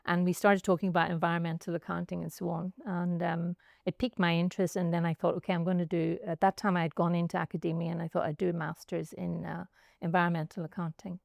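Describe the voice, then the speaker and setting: A woman with a Northern Irish accent, a guest in an interview, telling her story in a reflective, unhurried way outdoors by a pool. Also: on the low side, little pitch movement, gravelly, dry recording, studio quality. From Northern Ireland. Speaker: guest, chartered accountant and academic. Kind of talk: conversational interview answers.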